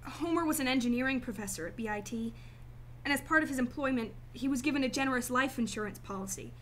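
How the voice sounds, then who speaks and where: A woman playing a guarded, emotionally detached client in a radio drama, speaking formally and deliberately. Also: high-pitched, a bit bright, slight background noise. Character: cool, detached female client, guarded murder victim's sister.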